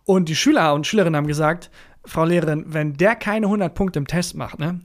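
A man's voice: a little high, a little fast. A man who is a native German speaker, telling anecdotes casually as a podcast host and acting out quoted speech.

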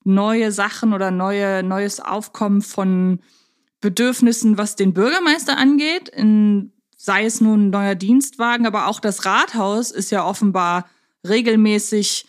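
A woman's voice: mid-range voice, measured pace. Woman reasoning through podcast chat. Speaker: podcast co-host. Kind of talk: casual podcast discussion.

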